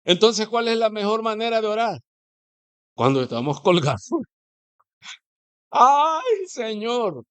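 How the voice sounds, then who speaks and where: A man's voice: high voice, very animated, moderate pace, clean tone. A man with a Mexican Spanish accent preaching a sermon in a church, talking conversationally and posing rhetorical questions to the congregation.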